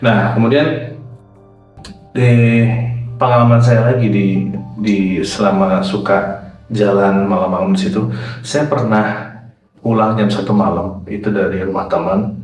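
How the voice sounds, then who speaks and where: A man's voice: on the low side, fairly even intonation, measured pace, pauses often, darkish tone, far from the mic. A man telling a personal ghost encounter in a casual, chatty way, rambling with fillers and repeated words. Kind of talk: casual first-person horror storytelling. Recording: echoey room, set back from the mic, faint music underneath.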